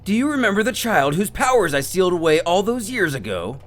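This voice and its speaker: A man voicing a polite, deferential angel servant who is flustered and flattering, in a theatrical, courtly manner for a dramatic story. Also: high-pitched, a little fast, faint music behind. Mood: polite, teasing. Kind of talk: dramatic fan-story character acting.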